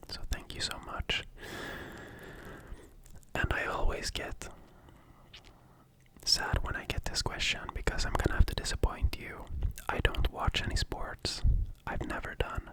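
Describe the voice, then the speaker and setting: Whispering at a fairly slow pace, a man leaves long, frequent pauses against noticeable background noise. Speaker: ASMR artist. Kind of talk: whispered ASMR Q&A ramble.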